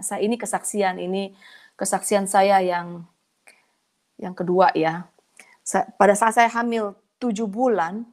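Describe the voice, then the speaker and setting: A woman with a mid-range voice tells her personal testimony as if chatting with friends. Her delivery is colloquial and animated, and her pitch jumps sharply when the story excites her. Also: gravelly.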